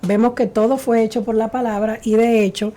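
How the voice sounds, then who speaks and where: A woman co-hosting a Christian radio talk show. She speaks in a measured way, cites scripture and often adds amens. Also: a little high, steady tone, dark tone, a little hiss or hum. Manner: measured, affirming with frequent amens.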